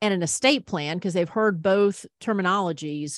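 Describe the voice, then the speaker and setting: A woman's plain, everyday voice at a moderate pace, dry and close with no echo. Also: quiet background. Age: 50s. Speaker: podcast host. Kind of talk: interview.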